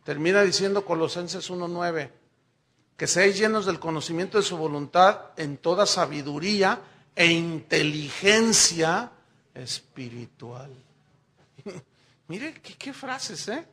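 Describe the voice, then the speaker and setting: A middle-aged man, preaching a sermon and telling lively stories while speaking directly to the congregation. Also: sits high, slow pace. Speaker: pastor.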